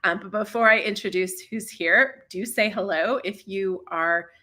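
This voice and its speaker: A woman hosting a live stream with a slightly raspy voice from a cold, welcoming viewers in an upbeat way. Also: medium pitch, unhurried, bright, forceful tone. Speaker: channel host. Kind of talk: live-stream host intro.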